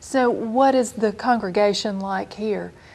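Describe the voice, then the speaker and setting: Moderate pace from a female speaker. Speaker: TV show host. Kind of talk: interview for a church TV show. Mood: warm, friendly. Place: church.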